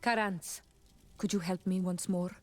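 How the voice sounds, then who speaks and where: A woman's voice: fairly low pitch, steady tone, a little slow, darkish tone, big-room sound. An actress voicing a solemn, devoted young female tribal healer in a video game, with earnest, careful, slightly formal delivery. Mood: hopeful request.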